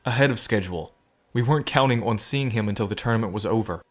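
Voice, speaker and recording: Man acting an earnest, low-voiced gambler. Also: fast, faint music behind, natural voice. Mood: excited, then wary. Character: earnest, awkward young male gambler, protective and smitten. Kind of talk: audio drama acting.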